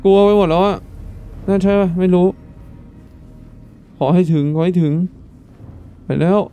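A man commenting as he plays a video game, thinking aloud with sudden excited exclamations. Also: high voice, unhurried, smooth, soft background music. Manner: jumpy exclamations, thinks aloud while playing. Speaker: gaming YouTuber.

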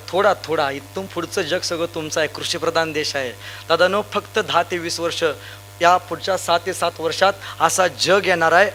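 A young man from Sangli district, Maharashtra, giving a loud, emphatic motivational stage speech full of anecdotes. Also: high-pitched, slight background noise. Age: young adult. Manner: loud, emphatic, rousing, addresses crowd directly. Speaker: motivational speaker.

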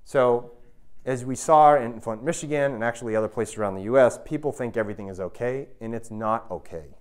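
This is an American university researcher in his thirties giving a public talk to an audience in an indoor lecture room. He has a medium-pitched voice and a fairly quick pace, speaking emphatically, explaining as he goes and checking in with listeners often.

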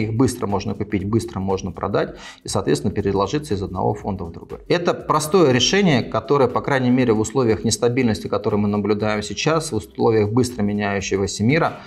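A man's voice: fairly low pitch, vocal fry, darkish tone, breathy edge. A man in his forties hosting an investment channel, explaining to camera with frequent fillers, recorded on a lapel mic in a small indoor set. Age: 40s. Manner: fast, measured advisory delivery with frequent fillers. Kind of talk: talking-head explainer to camera. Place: small indoor studio set with desk and lamp.

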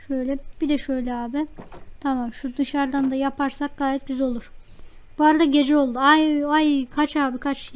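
A woman hosting a let's play, chatting to herself and her viewers as she plays, easily excited. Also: high voice. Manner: chatty, talks to self while playing, easily excited. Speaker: gaming channel host. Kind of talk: let's play game commentary.

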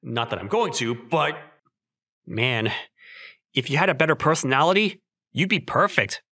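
Awkward single young man, played by a male actor, wry and self-questioning, animated delivery for a manga romcom. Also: a little high, normal speed, full character voice. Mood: flustered. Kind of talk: manga dub acting and narration. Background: music.

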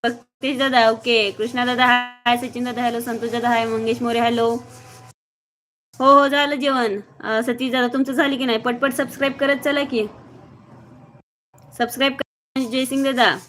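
A woman from Maharashtra talks casually on a live stream, her voice sitting a little on the high side. She moves quickly from one viewer to the next, greeting each by name and reading comments aloud. Her manner is blunt and outspoken. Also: level tone, a bit bright, slight background noise. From Maharashtra, near Mohol. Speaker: livestreamer.

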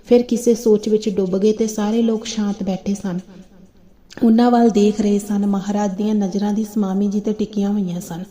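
A woman reading a moral story for children aloud in a steady, even delivery. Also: mid-range voice, moderate pace. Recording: dull lo-fi recording.

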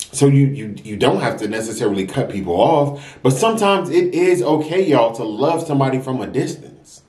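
A man's voice: medium pitch, darkish tone. Young American man, roomy echo. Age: young adult. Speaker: mukbang vlogger. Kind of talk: casual advice talk to camera while eating.

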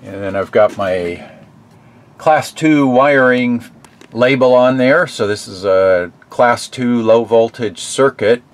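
A middle-aged man casually narrating a hands-on repair in his workshop, thinking aloud with halting fillers, recorded on the camera mic. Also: mid-range voice. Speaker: DIY repair vlogger. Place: garage workshop and shed.

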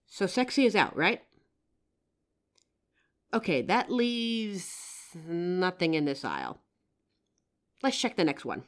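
A voice actress plays a helpful psychic shopkeeper in an audio roleplay. Her voice sits a little low for a woman and moves up and down a lot. She chats in a curious, friendly way, leaving pauses as if someone is answering. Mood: chatty, light. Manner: chatty, expressive, with pauses and soft laughs. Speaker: voice actor. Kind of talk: roleplay audio drama, one side of a chat addressed to the listener.

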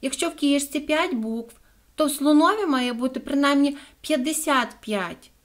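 A woman's voice: moderate pace, close to an everyday voice. A woman doing a perky clever little dog girl. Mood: indignant. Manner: excited, high, insistent. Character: clever little female dog, curious and stubborn.

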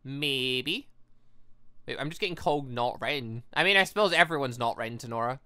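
A man's voice: medium pitch, moderate pace, sharp tone, clean tone, no echo, studio quality. A man hosting a video game playthrough in a casual, rambling way, chatting about his plans and reading game text aloud. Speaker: let's-play host. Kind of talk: casual gameplay commentary.

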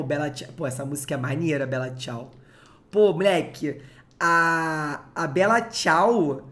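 A young man from Rio de talks into a close desk mic at home while he casts a card game on a live stream. He keeps up a relaxed, slangy running chat and goes off on joking tangents between plays. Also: high-pitched. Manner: chatty, joking, slangy asides.

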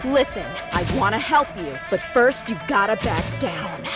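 A woman's voice: medium pitch, animated, moderate pace, natural voice. An actress playing a tough, confident young female mercenary in a video game, cool and self-assured. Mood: stern warning. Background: loud guitar music from a game trailer.

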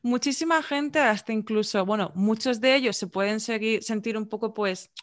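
A young woman with a Castilian Spanish accent hosting a podcast, chatting casually with lively interjections into a studio mic at home. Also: fairly high pitch. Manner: chatty, warm interjections, quick restarts. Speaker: podcast host. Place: home room, video call. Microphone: large studio mic on boom arm.

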